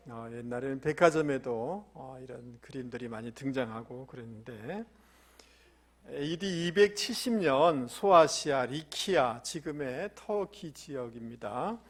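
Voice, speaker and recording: A man preaching a Sunday sermon in a church, often asking the congregation questions and waiting for them to answer. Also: a little high. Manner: asks the congregation questions and waits for replies. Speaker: pastor. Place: church sanctuary.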